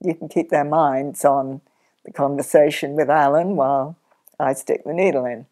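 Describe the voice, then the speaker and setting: An older woman sheep farmer, chatty and practical, explaining her farm work step by step in a relaxed interview at home. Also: deep voice, moderate pace. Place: sunlit living room, in an armchair.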